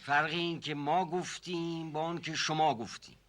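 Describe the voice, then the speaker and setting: A man's voice: on the high side, fairly even intonation, a bit bright, lightly acted. An actor playing a humble, hesitant older male servant in a TV comedy drama, stammering and evasive. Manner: stammering, evasive, fond of repeating himself.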